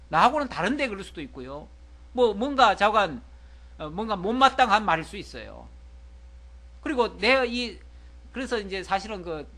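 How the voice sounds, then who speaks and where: A middle-aged man giving a sermon with a high, very lively voice that swoops up and down. His tone is bright and forceful, and he breaks into raised, pleading lines as he acts out the passage he is teaching. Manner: explains plainly, acts out Job's pleas with raised voice. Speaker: pastor.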